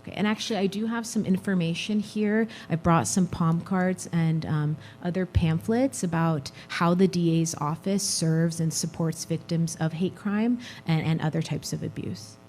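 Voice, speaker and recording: A woman's voice: fairly low pitch, fairly even intonation, normal speed, few pauses, darkish tone, a little hiss or hum. A woman from a district attorney's office answering questions on a town hall panel in a conversational way, with filler "um"s. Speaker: district attorney's office victim services representative.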